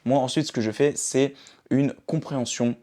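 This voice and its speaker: Speaking at a normal pace with fairly even intonation, this young vlogger from France has a mellow, mid-range voice. He chats informally into his phone camera about his daily routines, frequently checking in with whoever's watching, like casual self-help advice.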